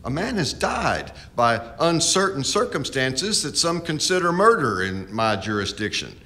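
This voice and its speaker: A man plays a firm frontier justice of the peace in a radio play. His mid-pitched voice is formal and deliberate, with a lawyer's way of putting things. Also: very animated, pushed and bright. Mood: firm, stern. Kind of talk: radio drama acting.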